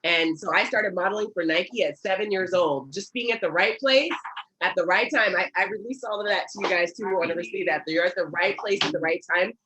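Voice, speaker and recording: A woman in her thirties from Oregon hosting an online workshop over a video call from home, talking in an animated, encouraging way. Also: fairly low pitch, brisk, slight background noise, rough recording. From Oregon, USA. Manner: animated, encouraging, gestures a lot. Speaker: host and prophetess. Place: home room with patterned curtains. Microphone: laptop mic on video call.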